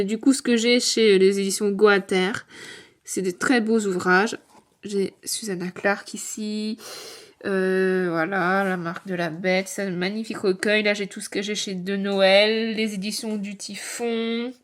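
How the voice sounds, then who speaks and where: A woman's voice: medium pitch, steady tone, measured pace. A young woman showing her bookshelves in a casual vlog, rambling with lots of fillers. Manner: chatty, rambling with many fillers. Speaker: booktuber and author. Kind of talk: casual book-collection vlog. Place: home room with bookshelves.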